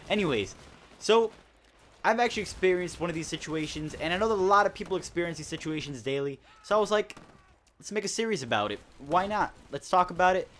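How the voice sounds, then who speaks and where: Teenage boy, rambling storyteller, slightly high voice, faint background hiss. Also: animated, fast talker, fairly bright tone. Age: teens. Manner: chatty storyteller, indignant, rambling. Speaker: host. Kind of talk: casual gaming commentary chat.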